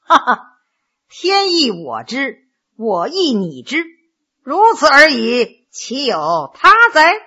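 女艺人扮演的傲慢不屈的落难太子. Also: female voice, high voice, big pitch swings, slow pace, long pauses, sharp tone, muffled recording, exaggerated voice. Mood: scornful. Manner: haughty, sneering. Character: proud captive young prince, scornful and defiant. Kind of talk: Chinese storytelling performance.

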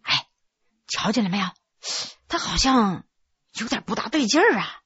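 A woman voicing a clever young male scholar who speaks in a lowered, earnest voice. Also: big pitch swings, unhurried, pushed and bright, breathy edge, dry recording, muffled recording, full character voice. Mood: coaxing.

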